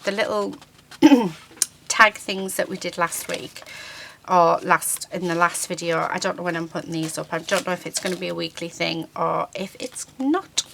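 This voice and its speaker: A woman hosting a casual paper-craft tutorial, croaky from a sore throat, chatty and often hunting for words between ums. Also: on the low side, moderate pace, a bit bright, a little hiss or hum. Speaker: craft channel host. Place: craft table indoors.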